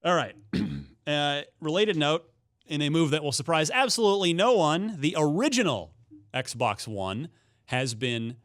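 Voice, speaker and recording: A man's voice: on the high side, sing-song, measured pace, a bit bright. A man hosting a conversational gaming show, talking in a chatty, opinionated way. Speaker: podcast host.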